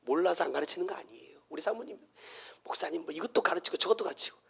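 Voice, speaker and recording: A middle-aged man with a Jeolla Korean accent, preaching a sermon as pastor, dropping to hushed whispers and rising to shouts. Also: fairly high pitch, animated, quick pace, creaky, breathy edge.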